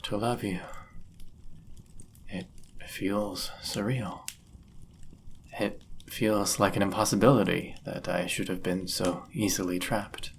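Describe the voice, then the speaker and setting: A man's voice: lowish voice, steady tone, creaky, a little hiss or hum. A man voicing a powerful, possessive demon in love, speaking intensely and formally in a dramatic fantasy audio roleplay. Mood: tender, yearning. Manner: intense, deliberate, formal and archaic phrasing. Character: powerful, possessive, lovestruck male demon bound to a sorcerer.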